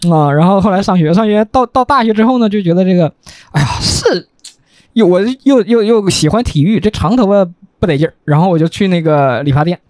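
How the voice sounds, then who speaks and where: A man's voice: high voice, brisk, no room sound, clean studio sound. A young man, co-hosting a podcast and telling stories in a slangy, joking way. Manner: animated storyteller, slangy and joking. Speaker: podcast co-host. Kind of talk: casual chat.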